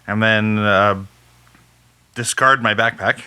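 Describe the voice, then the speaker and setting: A man's voice: on the low side, fairly even intonation, takes it slowly, bright, forceful tone, clear, resonant tone. A man playing a tabletop game, casually declaring his character's actions. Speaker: player.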